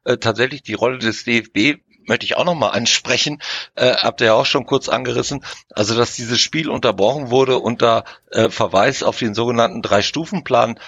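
Guy lawyer on a podcast, gravelly bit rough voice, explaining stuff and making his case. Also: medium pitch, brisk, a bit bright, no echo, lo-fi sound. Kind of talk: conversational legal discussion.

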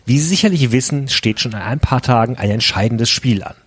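A man's voice: mid-range voice, lively intonation, brisk, husky, dry recording. A man reading out the lines of a proud, self-assured football club president from a story. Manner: reads the lines aloud from a story.

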